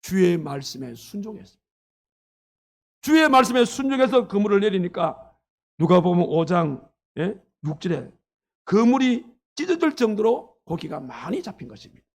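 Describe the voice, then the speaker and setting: A man's voice: high voice, very animated, moderate pace. A man preaching as a pastor, earnestly retelling a story with its quoted dialogue. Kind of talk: sermon. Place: church sanctuary.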